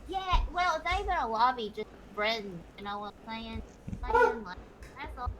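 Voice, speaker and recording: A woman's voice: expressive, moderate pace, very noisy. A woman streamer chatting casually, talkative and swearing freely. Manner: high-pitched, calls own voice annoying. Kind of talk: casual chat.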